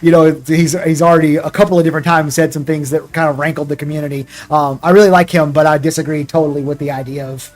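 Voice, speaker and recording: A man's voice: fairly high pitch, level tone, fast, hardly any pauses. A man hosting a gaming podcast, chatting in a rambling way with restarts and laughing at himself. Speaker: streamer and podcast host. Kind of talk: casual gaming podcast chat.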